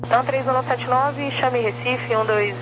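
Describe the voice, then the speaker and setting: A woman's voice: high voice, fairly even intonation, measured pace. A Brazilian woman working as an air traffic controller, giving clipped procedural instructions over the radio.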